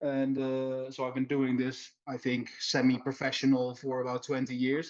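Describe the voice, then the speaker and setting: Monotone, flat intonation marks this man, who speaks at a moderate pace. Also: medium pitch for a man. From Netherlands. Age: 40s. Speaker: illustrator. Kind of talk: interview. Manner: hesitant, many fillers.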